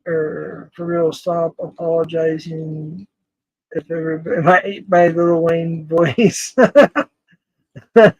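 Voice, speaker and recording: A man's voice: on the high side, steady tone, very slow, a little mellow, dry recording, low-quality recording. A man in his forties hosting a casual livestream, rambling, laughing often and greeting chat viewers by name. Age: 40s. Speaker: livestream host.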